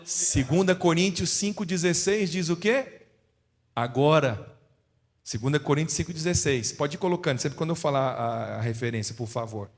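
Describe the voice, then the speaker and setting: A man with a Brazilian Portuguese accent preaching a sermon as pastor, firing rhetorical questions and swinging between loud and hushed delivery. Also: fairly high pitch, normal speed. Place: church. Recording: long reverb of a church hall.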